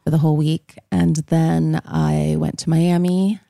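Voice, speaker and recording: A woman's voice: deep voice, fairly even intonation, measured pace, gravelly, mellow, dry recording, studio quality. A young woman hosting a podcast, chatting casually and upbeat as she interviews her guests. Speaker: podcast host.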